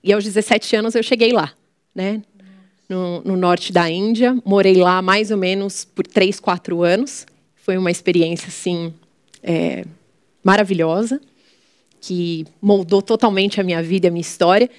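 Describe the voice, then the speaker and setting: A woman's voice: mid-range voice, steady tone, moderate pace, no echo, studio quality. A woman, a missionary guest, tells her personal testimony earnestly and often tags her sentences with "né". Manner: earnest storytelling with frequent "né".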